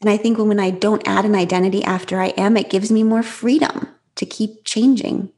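A female author appears as an interview guest, talking quickly and candidly in a high-pitched voice. The conversation is casual, and she's animated and self-revealing, restarting her sentences often.

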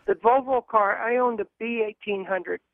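A man in his seventies with a high voice, calling in to a radio show and rambling enthusiastically about cars. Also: moderate pace, no room sound. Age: 70s. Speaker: caller. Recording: tinny phone line.

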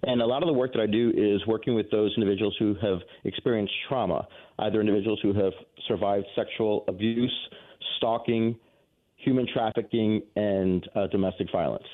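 A man with a fairly low voice explains things in a measured, formal way as a guest on a radio call-in. He is on a cell phone, and the call comes through thin and tinny. The line is buzzy and glitchy and keeps breaking up. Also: fairly even intonation. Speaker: counseling professor, radio guest. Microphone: cell phone held to the ear.

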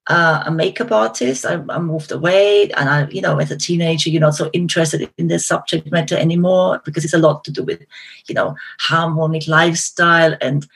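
A middle-aged woman with an Austrian German accent speaking as a studio guest. Her voice is husky and a little breathy, and she talks with hesitations and frequent restarts, the way someone does in a second language. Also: deep voice, steady tone, brisk, a bit bright. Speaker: guest, company founder. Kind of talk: casual interview talk.

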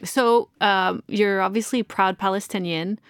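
A woman interviewer with a gravelly, fry-tinged voice asks chatty, curious questions and follows up quickly. Her voice sits at a middle pitch and sounds dry and close to the mic. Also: steady tone, no echo. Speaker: interviewer host. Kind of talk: casual interview conversation.

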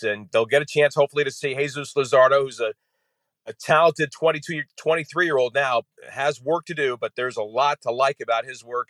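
Measured male baseball announcer, dry sound. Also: mid-range voice, no room sound. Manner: detailed, measured, steady flow of facts. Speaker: baseball radio play-by-play announcer, guest. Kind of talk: podcast interview guest, analysis.

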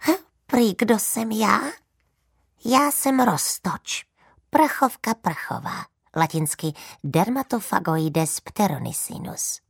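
Brief: woman doing an irritable dust mite for a kids' story, husky and dry. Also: mid-range voice, lively intonation, dry recording. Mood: matter-of-fact. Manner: irritated, brusque. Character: grumpy busy female dust mite. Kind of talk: children's audio story.

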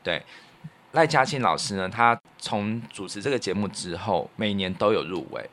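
Casting: male podcast co-host, low voice, Taiwanese Mandarin accent, earnest and reflective casual storyteller. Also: animated, moderate pace, a bit bright. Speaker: podcast co-host and radio professional.

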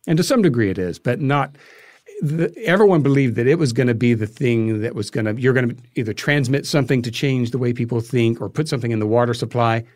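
A man's voice: medium pitch, fast, a little mellow, no echo, clean studio sound. An American man talking thoughtfully in an interview, explaining his ideas at length. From United States. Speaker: filmmaker, podcast guest.

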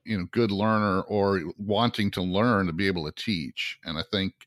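Male interview host, low voice, dry close mic; stammers and restarts. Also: fairly even intonation, moderate pace, a bit bright, no room sound. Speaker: podcast host. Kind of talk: conversational interview.

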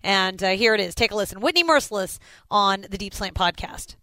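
A sports podcast host with an upbeat, chatty delivery, introducing guests and interviewing a player. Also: male voice, high-pitched, animated, brisk, pushed and bright, dry recording. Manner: upbeat, chatty, reads sponsor spots. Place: stadium.

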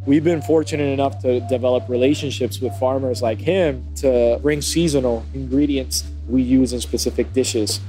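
A man's voice: mid-range voice, steady tone, moderate pace, hardly any pauses, mellow, rough recording. A man working as a restaurant chef, speaking matter-of-factly in an interview. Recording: faint music underneath.

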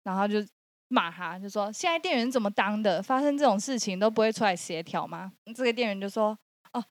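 A woman, co-hosting a podcast and retelling a story in a lively, laughing way. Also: mid-range voice, brisk, no echo. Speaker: podcast co-host. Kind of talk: casual storytelling chat.

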